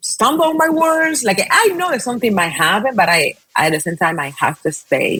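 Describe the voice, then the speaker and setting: An animated tone with very wide pitch swings comes through in a non-native accent. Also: woman. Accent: foreign accent, noticeable. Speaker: hair colorist and educator. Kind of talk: interview. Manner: fast.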